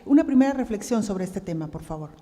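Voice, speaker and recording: A woman's voice: medium pitch, expressive, fast talker, dark tone. A woman moderating a panel courteously, introducing and prompting guests in a polite style. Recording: long reverb of a hall.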